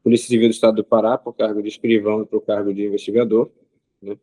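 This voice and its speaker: A man, an interview guest speaking in a measured way with frequent pauses and filler sounds. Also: on the low side, level tone, dark tone, no echo, low-quality recording. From Rio de Janeiro state, Brazil. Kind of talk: casual interview answers.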